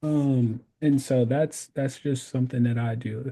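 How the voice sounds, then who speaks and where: Somewhat breathy, a man with an American accent talks at a medium pitch. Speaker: Air Force veteran and motivational speaker. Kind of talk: podcast interview. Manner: animated, repetitive.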